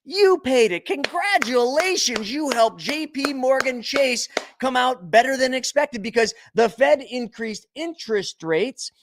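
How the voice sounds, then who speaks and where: A man's voice: extremely high pitch, animated, measured pace, hardly any pauses, background noise. A man co-hosting a finance news show, delivering an angry, sarcastic, profanity-laced rant. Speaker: podcast co-host. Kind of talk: heated finance news commentary.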